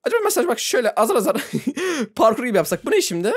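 A young man commenting on a game as he plays with friends, excitable, laughing often and shrieking when surprised. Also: very high-pitched, very fast, slightly rough. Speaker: gaming YouTuber. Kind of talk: let's play commentary.

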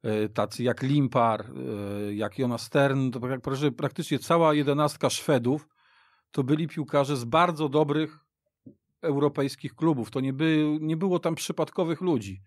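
A man's voice: mid-range voice, measured pace, no room sound. A man talking football as a radio studio guest, searching for words and often restarting his sentences as he goes on at length. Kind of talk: casual sports discussion.

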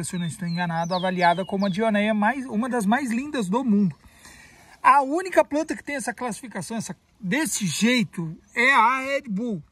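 A man's voice: high-pitched, a bit bright, no room sound. A man with a Brazilian Portuguese accent chatting playfully in a casual vlog, recorded outdoors in a garden by a pool on a phone's built-in mic. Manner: chatty and playful, mispronounces words on purpose. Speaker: carnivorous plant grower and channel host. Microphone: phone built-in mic, no external mic.

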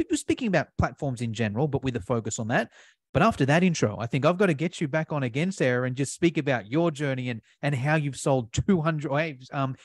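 Podcast host, dry close mic. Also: male voice, mid-range voice, dry recording. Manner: friendly, interjecting, playful. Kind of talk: casual podcast interview. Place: home studio, indoors. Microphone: large studio mic close to mouth.

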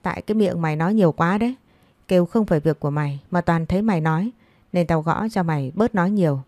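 A woman's voice: lowish voice, quick pace, darkish tone, dry recording, natural voice. A woman voicing a mocking young man who scolds and teases his friend with wry jabs in a storybook.

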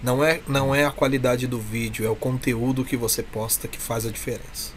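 A Brazilian man talks casually as a guest on a video call. His voice sits at a middle pitch, and he stresses his points by repeating phrases. There is faint noise behind him. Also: fairly even intonation, fairly quick. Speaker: interview guest, member of a comedy troupe. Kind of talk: casual chat.

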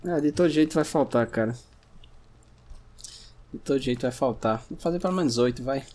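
A man from Brazil talks his way through a survival game in a relaxed, mid-range voice, thinking aloud and teasing the enemies. Now and then he shouts in surprise. Faint typing and room ambience sit behind him. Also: mid-range voice, a little fast, a little hiss or hum. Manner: chatty, talks to himself and the audience, bursts into shouts at scares. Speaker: gameplay streamer. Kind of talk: casual gameplay commentary.

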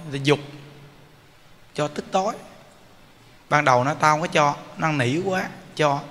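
A man with a Southern Vietnamese accent giving a folksy, animated Buddhist dharma talk, mimicking scolding parents. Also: mid-range voice. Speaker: Buddhist Pure Land teacher. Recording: reverberant hall with faint ambient noise.

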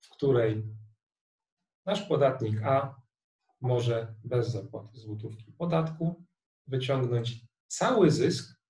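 A middle-aged man giving a recorded online lecture on tax law, explaining a worked example step by step in a measured way. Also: mid-range voice, a little mellow. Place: room indoors. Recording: roomy, distant webcam sound.

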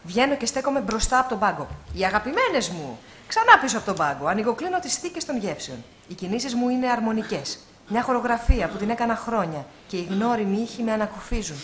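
A woman reading a literary short story aloud at a live event, in an expressive, measured way with pauses. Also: on the high side, slight background noise. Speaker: reader at an award ceremony. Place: live event before an audience.

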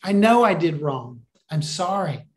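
Pastor, male, fairly high voice, earnest and encouraging, preaching on a webcam. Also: animated, a little slow. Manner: earnest, encouraging, asks the listeners questions. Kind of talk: sermon over a video call. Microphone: video call webcam.

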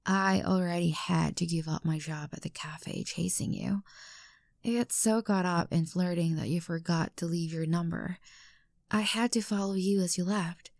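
A woman's voice: fairly low pitch, fairly even intonation, a little mellow, dry recording, clean studio sound, lightly acted. A woman playing an obsessive, unstable young stalker girlfriend in an intimate ASMR roleplay, sweet and menacing by turns. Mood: lovestruck, coy. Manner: breathy whispers, halting, swinging from coaxing to outbursts. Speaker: voice actor in audio roleplay.

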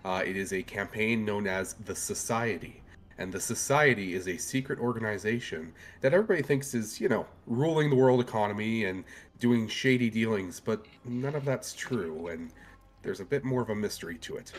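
A man's voice: lowish voice, animated, moderate pace. A man on a headset, a guest chatting about his podcast and games. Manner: chatty, plugging his show. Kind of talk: casual chat.

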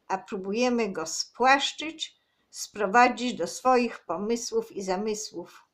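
A woman on her own channel reading a religious book aloud in a slow, measured, earnest way. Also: on the high side.

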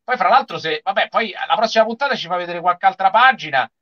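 A man's voice: sits high, animated, quick pace. Male host, middle-aged, casual and teasing, lo-fi video call sound. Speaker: live show host. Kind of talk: casual group chat, teasing. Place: room at home, on a video call.

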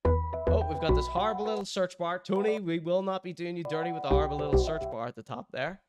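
A man's voice: a little high, fast talker, loud music behind the voice. A man, reacting live on stream with playful hype-man banter and mock-serious critique. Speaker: streamer reacting to a music video. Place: indoor streaming room.

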